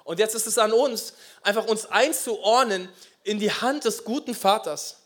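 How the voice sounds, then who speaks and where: Male pastor, passionate sermon, emphatic, fairly high voice. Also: normal speed, fairly bright tone.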